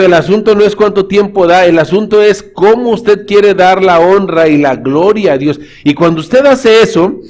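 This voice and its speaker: A man, a pastor preaching a sermon in church, telling stories and calling the congregation brothers. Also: high-pitched. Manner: storytelling, addresses congregation as brothers.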